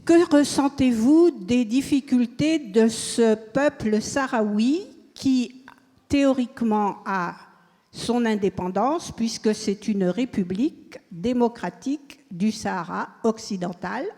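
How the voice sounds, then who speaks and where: A woman from the audience asking a question at a public talk, measured and deliberate. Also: a little high, warm tone. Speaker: audience member. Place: large hall at a public event. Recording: reverberant hall.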